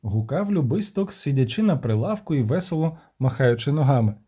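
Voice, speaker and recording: A man narrating a fantasy audiobook in an expressive storytelling manner. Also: medium pitch, fairly quick, breathy edge.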